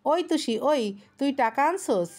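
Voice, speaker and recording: A woman voicing a gruff, grumpy middle-aged male tea-stall keeper who scolds in rough dialect. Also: high voice, lively intonation, measured pace. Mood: scolding.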